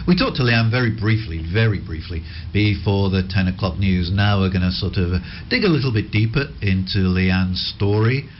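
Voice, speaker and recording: Radio host, male, lowish voice, gentle rambling interviewer, muffled lo-fi studio sound. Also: moderate pace, hardly any pauses, slight background noise. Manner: gentle, rambling questions with restarts.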